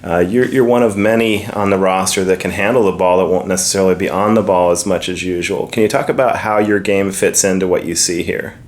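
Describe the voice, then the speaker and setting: A man interviewing a college athlete, asking long, relaxed questions. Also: deep voice, fairly quick, few pauses. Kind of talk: sports interview.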